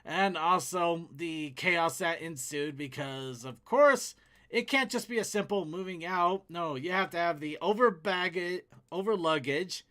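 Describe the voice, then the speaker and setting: A man hosting casual fan commentary, speaking in a halting, stop-start way. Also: a little high, sharp tone. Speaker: host.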